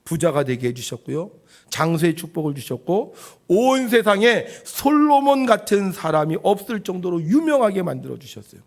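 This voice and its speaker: A male pastor giving a Sunday sermon. He asks the congregation questions and answers them himself, and he swings between loud emphasis and soft, low asides. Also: very animated, moderate pace. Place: church sanctuary.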